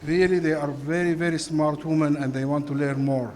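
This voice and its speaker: A man from Sudan answering interview questions about a training, in simple, halting sentences. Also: fairly high pitch, fairly even intonation, a little mellow.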